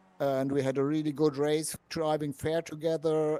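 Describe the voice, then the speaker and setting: At a moderate pace, a man with a non-native accent speaks in a flat monotone at a fairly high pitch. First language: not English. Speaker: sim racing driver. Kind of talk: post-race interview. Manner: halting.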